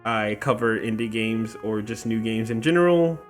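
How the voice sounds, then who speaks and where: A man's voice: fairly low pitch, moderate pace, soft background music. A man hosting a gaming video, giving casual, slangy playthrough commentary and often repeating himself.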